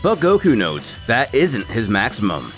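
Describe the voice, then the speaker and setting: A man giving a scripted story recap as a narrator, in a dramatic, animated storytelling manner. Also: mid-range voice, unhurried, over loud music. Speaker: narrator of a fan comic recap series.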